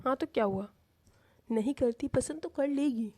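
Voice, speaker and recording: A woman's voice: high voice, moderate pace, a little mellow. A woman voicing a cocky young woman who jokes and teases in a playful way. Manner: playful, brash.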